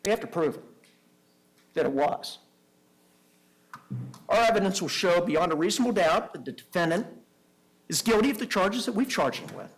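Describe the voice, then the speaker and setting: A man's voice: high-pitched, lively intonation, moderate pace, long pauses, slightly rough, rough recording. A man speaking as a prosecutor to a jury, making an opening statement in emphatic, repeated phrases. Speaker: prosecuting attorney.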